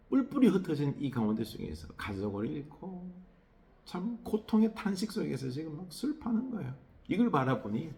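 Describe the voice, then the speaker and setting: Gravelly, lively male preacher. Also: medium pitch. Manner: conversational preaching with rhetorical tag questions; frequent hesitation fillers. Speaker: pastor. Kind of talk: early-morning prayer sermon.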